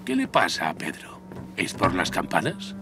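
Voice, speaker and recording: Gruff old mountain grandfather. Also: sits low, huge pitch swings, moderate pace, over music, heavily acted. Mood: calm, thoughtful. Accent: Castilian Spanish. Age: older. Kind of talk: animated series dubbing.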